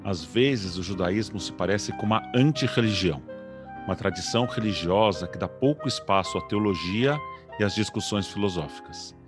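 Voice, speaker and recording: A man who hosts a podcast as a rabbi, opening with a measured scripted intro and then asking questions. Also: on the low side, music in the background.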